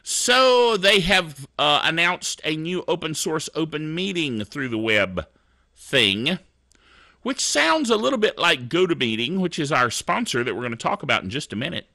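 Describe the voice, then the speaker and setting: A middle-aged man hosting a tech news podcast, chatty and animated, laughing at his own jokes. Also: on the high side, normal speed, gravelly, dry recording, clean studio sound. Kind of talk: casual tech news commentary.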